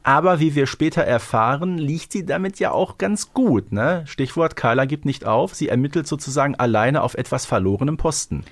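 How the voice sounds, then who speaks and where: A man's voice: a little high, expressive, moderate pace, few pauses. A man co-hosting a podcast, chatting casually and retelling a story, often ending on tag questions. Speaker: podcast co-host.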